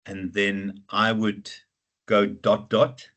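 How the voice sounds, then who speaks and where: Speaking slowly in a fairly low, flat voice with a fairly bright tone, a man with a South African Afrikaans accent thinks aloud while counseling students. He is a university lecturer giving informal, teasing advice on research proposals during an online teaching session.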